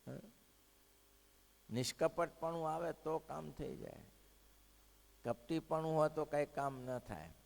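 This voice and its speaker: A male preacher telling devotional stories in a lively way, rising to loud exclamations and then dropping to hushed asides. His voice sits somewhat high, and a long reverb carries through the large hall. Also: takes it slowly, gravelly, long pauses. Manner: animated, shifting between loud exclamations and hushed quotes. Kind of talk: devotional sermon storytelling.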